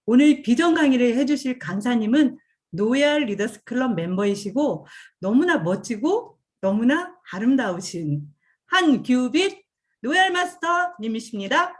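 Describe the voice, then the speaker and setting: Woman host, formal event emcee, video call, upbeat announcing, rallies the crowd, bright high voice. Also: animated, normal speed. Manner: upbeat announcer, rallying the audience.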